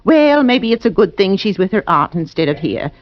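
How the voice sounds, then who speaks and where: A woman's voice: medium pitch, sing-song, lightly acted. A woman playing a worried middle-aged housewife, in 1940s radio acting. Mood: fretful. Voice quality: emotional, quick to fret. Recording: dull old radio broadcast.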